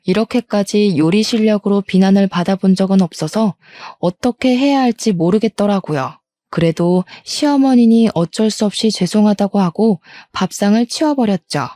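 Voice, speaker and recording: Young female narrator, confiding and aggrieved, mid pitch, mellow tone. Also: normal speed, no room sound. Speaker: storyteller. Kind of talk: first-person story narration.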